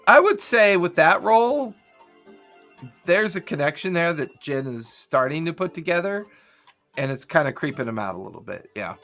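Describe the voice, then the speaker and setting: A man's voice: fairly high pitch, very animated, normal speed, pushed and bright, soft background music. A man running a tabletop game as game master, narrating loosely with fillers over an online call.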